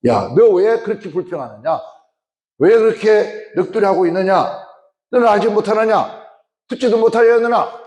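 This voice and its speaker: A man's voice: sits high, lively intonation, moderate pace, darkish tone, pitched above the performer's own voice. A man voicing an almighty God who scolds his people with a string of rhetorical questions. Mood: scolding. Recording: roomy church sound.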